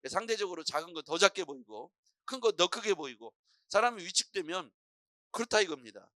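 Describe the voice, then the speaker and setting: A middle-aged man preaches a morning prayer sermon in a church. His voice sits high and sounds bright and forceful, with lively swings in pitch. The sound is close and dry. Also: fairly quick, dry recording. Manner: lively storytelling preacher, acting out anxious and calm voices. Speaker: pastor.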